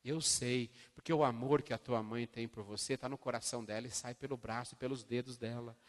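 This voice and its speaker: A man quoting a kind, firm older woman schoolteacher, speaking softly and slowly in a reverberant hall. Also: medium pitch, fairly even intonation, pitched below the performer's own voice, close to an everyday voice. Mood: gentle, firm. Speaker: primary school teacher.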